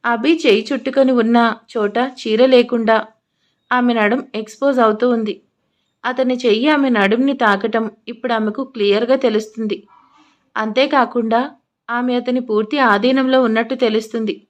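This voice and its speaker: A woman narrating a romance audio story, acting out the lovers' lines with feeling. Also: fairly high pitch.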